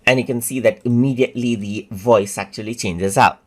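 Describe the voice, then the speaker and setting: A man walking viewers step by step through a software tutorial, casual and repetitive, with fillers. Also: medium pitch, steady tone, a little fast. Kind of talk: screen-recorded tutorial narration.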